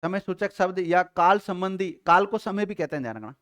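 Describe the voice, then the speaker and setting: A man teaching Hindi grammar to a live class, drilling students and repeating letters slowly, with a Rajasthani Hindi accent. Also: sits high, animated, fairly bright tone.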